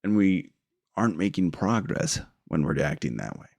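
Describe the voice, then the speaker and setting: Earnest low-voiced man teaching. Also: very animated, vocal fry, darkish tone, dry recording, clean studio sound. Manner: earnest, reflective, with fillers and pauses. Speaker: spiritual teacher. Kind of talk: informal spiritual teaching.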